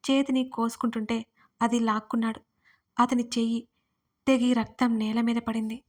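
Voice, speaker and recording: A woman narrating an emotional first-person audio story with a dramatic storytelling manner. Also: fairly high pitch.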